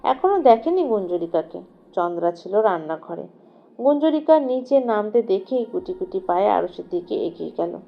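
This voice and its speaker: A woman reads a novel aloud as a dramatic narrator. Her medium-pitched voice is expressive and shapes literary sentences. The recording sounds a little muffled. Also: moderate pace, vocal fry. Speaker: audio story narrator. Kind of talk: dramatic scripted narration of a sad romance novel.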